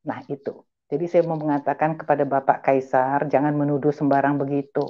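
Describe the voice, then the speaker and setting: A woman's voice: deep voice, level tone, brisk, highs cut off. A middle-aged woman giving an earnest, emphatic personal religious testimony, slipping in English phrases. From Malaysia. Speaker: testimony giver.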